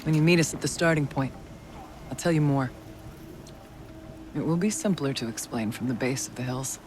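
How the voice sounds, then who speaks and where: A woman's voice: extremely low pitch, normal speed, background noise. An actress voicing a formal, solemn female tribal chieftain in a video game. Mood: grave. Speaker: game character.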